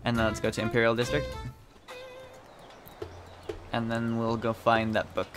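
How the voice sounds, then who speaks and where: A man with a medium-pitched voice talks viewers through a game quest in an easygoing, informal way. Faint music runs underneath his casual commentary. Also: monotone, quick pace. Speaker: game video host. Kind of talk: casual walkthrough commentary, reading quest dialogue aloud.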